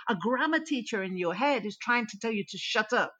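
A woman's voice: a little high, expressive, a little fast, bright, forceful tone. A woman language teacher answering interview questions in a thoughtful, explanatory way. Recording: muffled lo-fi line.

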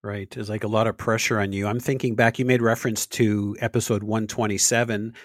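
Low-voiced friendly man, dry sound. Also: flat delivery, a little fast, dry recording. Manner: friendly, laughs often. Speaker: podcast co-host. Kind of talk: podcast interview.

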